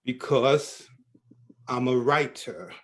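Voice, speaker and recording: A man playing a busy, dry magazine editor in a play reading, with a measured, deliberate manner. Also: mid-range voice, fairly bright tone. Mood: dry, curt. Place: online video call reading. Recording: video call audio.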